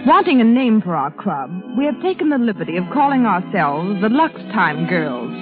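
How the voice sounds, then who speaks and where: A woman's voice: medium pitch, natural voice. An earnest club secretary played by a woman reads her testimonial letter formally for a 1930s radio advertisement. The broadcast is narrow and tinny. Music plays behind her.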